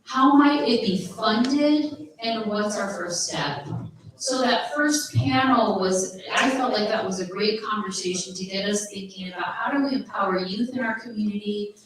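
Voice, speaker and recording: A woman's voice: medium pitch, moderate pace. A woman facilitating a live workshop, upbeat and encouraging, repeating instructions to the crowd. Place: large conference room. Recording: echoey room, voice from far off.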